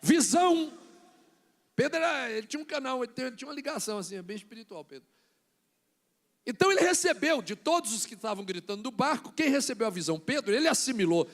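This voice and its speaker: A Brazilian man preaching a sermon, acting out little scenes and building to shouted lines. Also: very high voice, lively intonation, racing. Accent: Brazilian Portuguese. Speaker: bishop preaching.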